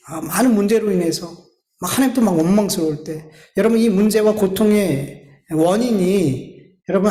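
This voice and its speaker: In the echoey hall of a church sanctuary, a pastor with a high, warm voice delivers an earnest, pleading sermon. He frequently addresses his congregation directly.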